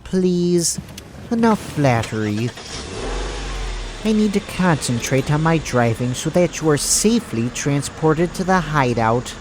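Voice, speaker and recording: Audio drama villain played by a woman: male crime boss, smug and courteous, lowish register, unhurried menace. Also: lively intonation, background noise. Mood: smug, menacing. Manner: mock-polite, gloating, theatrical.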